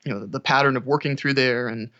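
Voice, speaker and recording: Bright, forceful man on lo-fi audio. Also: medium pitch, fast. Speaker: audiobook narrator guest. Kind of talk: casual interview storytelling. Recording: dull, band-limited audio.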